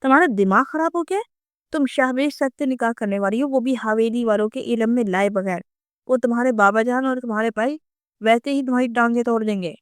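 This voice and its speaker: A woman's voice: on the high side, smooth, no room sound, studio quality, lightly acted. A woman reading the lines of a young female friend who scolds bluntly. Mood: scolding. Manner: scolding, then gushing.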